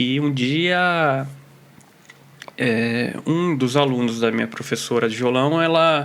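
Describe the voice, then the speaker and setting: In a Paraná accent, a man speaks at a very slow pace with long, frequent pauses, very even loudness and a medium pitch with ordinary variation, amid audible room echo. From southern Brazil, Paraná. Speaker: podcast co-host, sound engineer. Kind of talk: casual interview chat. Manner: halting, many repetitions.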